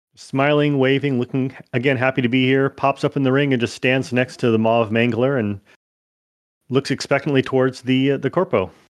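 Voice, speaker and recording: A man with an ordinary speaking voice and medium pitch talks at a fairly quick pace, keeping fairly even intonation and very even loudness. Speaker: tabletop RPG player. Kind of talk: casual tabletop RPG actual play.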